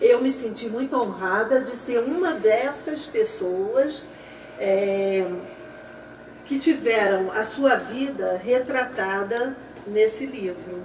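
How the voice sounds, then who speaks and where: There is noticeable background noise and audible room echo. A woman speaks at a high pitch and a very slow pace, with lively intonation. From Rio de Janeiro, Brazil. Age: 60s. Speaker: poet and community educator. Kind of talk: interview.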